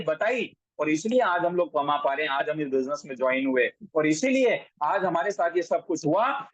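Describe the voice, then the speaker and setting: A man with a high voice delivers a motivational sales lesson. He hammers his points again and again, speaking directly to the listener. The recording is dry and a little dull. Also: husky, no room sound. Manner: forceful, repeats lines and addresses the listener directly. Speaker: sales trainer. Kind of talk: motivational training talk.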